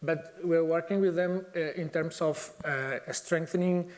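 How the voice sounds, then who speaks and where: A man's voice: a little high, steady tone, a little slow. Hesitant man. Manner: hesitant, many fillers and restarts. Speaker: symposium speaker. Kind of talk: conference talk.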